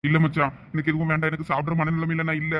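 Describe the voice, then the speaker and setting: A man's voice: a little high, completely flat delivery, rapid-fire, fairly bright tone, close to an everyday voice. A man playing a distraught young husband who pleads and sounds close to tears in a village drama. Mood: refusing. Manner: tearful, pleading.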